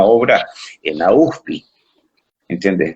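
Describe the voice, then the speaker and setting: A man speaks with an Argentine accent. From Argentina, near Brazil border. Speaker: artist. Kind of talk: interview. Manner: halting.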